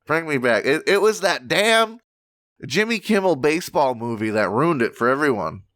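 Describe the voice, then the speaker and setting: A podcast co-host with a slightly high voice chats casually at normal speed, animated and joking, and he swears freely. It's comedic banter, and the recording has no echo.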